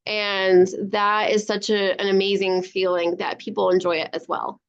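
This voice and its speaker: Woman author chatting to kids, encouraging, simple wording, mid-pitched voice, kinda dull video call sound. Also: level tone, normal speed, smooth. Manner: encouraging, speaks simply to children. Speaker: children's book author, guest. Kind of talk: chatting to young children on a live online event.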